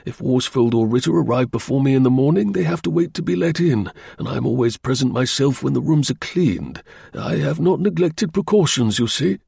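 Guy reading as a worried proud inventor, formal and emphatic, pitched up, bit raspy, audiobook style. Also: animated, fairly quick, a little mellow, no echo, clean studio sound, full character voice. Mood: defensive. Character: anxious male engineer-inventor, proud and earnest.

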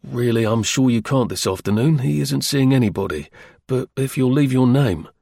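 A man's voice: medium pitch, animated, normal speed, gravelly, warm tone, no echo, clean studio sound. A man voicing a polite but firm, dismissive office draftsman in a storybook. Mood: politely firm. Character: polite, firm male draftsman turning away a caller.

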